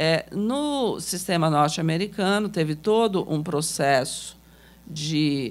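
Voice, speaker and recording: Her pitch is very deep and low for a woman. The recording is very clean, with a silent background. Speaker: law professor. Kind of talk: academic conference talk. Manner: halting, many fillers.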